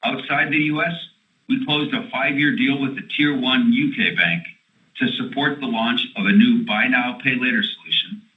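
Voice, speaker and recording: A man in an executive role gives a scripted corporate financial presentation, reading figures in a formal, measured way. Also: mid-range voice. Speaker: company executive presenting earnings. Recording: tinny phone-line conference call.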